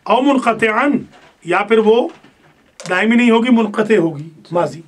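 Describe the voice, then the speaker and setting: A man with a notably high voice leads a religious grammar class. He explains patiently, then corrects his students sharply and firmly. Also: lively intonation. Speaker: religious studies teacher.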